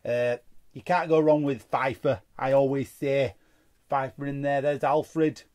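A man's voice: mid-range voice, steady tone, unhurried, a little mellow. A man hosting his own card-opening show, chatting casually and rambling with muttered asides as he looks through cards. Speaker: card-opening channel host. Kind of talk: casual unboxing commentary.

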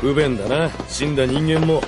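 A man playing a gruff, impatient undead warrior in a radio drama, blunt and grumbling. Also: on the high side, fairly even intonation, normal speed, music in the background, lightly acted. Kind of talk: Japanese radio drama acting.

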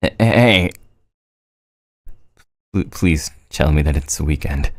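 A man acts out a sleepy male student in an audio roleplay. He stammers and teases in a slow, groggy morning voice with lively swings in pitch, recorded dry and close. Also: dry recording, heavily acted. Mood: flustered. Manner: halting, stammering. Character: drowsy, flustered, teasing male student on a phone call. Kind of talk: scripted roleplay voice acting.

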